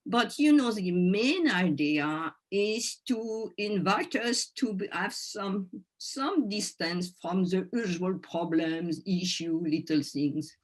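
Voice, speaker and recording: Female workshop presenter, native French with French accent, slightly low pitch, very slow halting delivery, informal teaching style. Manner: halting, searching for words in a second language. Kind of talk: informal teaching talk to a group.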